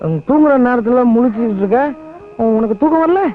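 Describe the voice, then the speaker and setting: A man's voice: very high-pitched, lively intonation, a little fast, narrow, tinny audio. An actor playing a drunken young village man who slurs and drawls through his words. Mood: drunk, slurring. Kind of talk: 1990s Tamil film acting.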